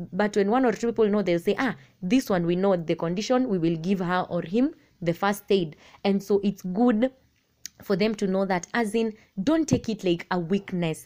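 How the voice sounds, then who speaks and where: With a Kenyan accent, a woman speaks using ordinary pitch variation. The recording is very clean, and the background is silent. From Kenya, Machakos County. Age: young. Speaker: radio and TV presenter. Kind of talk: testimony.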